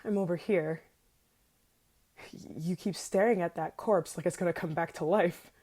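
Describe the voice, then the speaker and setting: A woman's voice: fairly low pitch, normal speed, warm tone, husky. A woman playing an obsessive, possessive, murderous yandere lover in an intimate ASMR roleplay monologue, moving between whispers and frantic outbursts. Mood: wounded, pleading.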